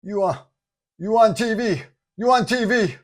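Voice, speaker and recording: A crazed, dazed male bomb maker in a superhero audio story. His voice is pushed high and loud, blurting in abrupt, repetitive bursts. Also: a little slow. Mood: manic, dazed.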